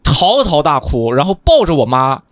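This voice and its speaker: A man's voice: a little high, big pitch swings, normal speed, dry recording. A young man co-hosting a podcast, chatting casually and laughing through his own stories. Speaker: podcast co-host. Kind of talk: casual chat.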